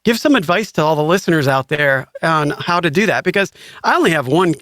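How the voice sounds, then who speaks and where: A man's voice: a little high, lively intonation, fairly quick, pushed and bright, no room sound. A man hosting a podcast in a casual, easygoing chat, joking along with his guests. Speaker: podcast host.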